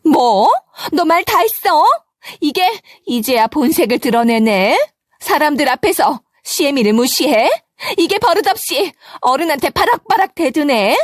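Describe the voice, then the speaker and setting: A woman narrator voicing a nagging older mother-in-law who scolds and blames in a shrill, high voice. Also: big pitch swings, measured pace, no room sound, studio quality. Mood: furious.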